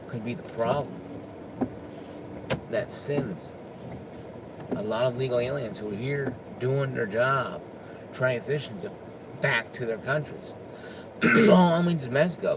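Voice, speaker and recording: A man's voice: mid-range voice, background noise. A man delivering an unscripted opinion rant, emphatic and often stammering through restarts. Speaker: political commentator.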